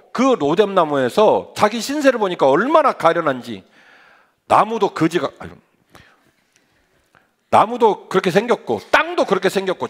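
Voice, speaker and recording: A middle-aged male pastor preaching a sermon in an animated, conversational way, full of rhetorical questions and humorous asides. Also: fairly high pitch.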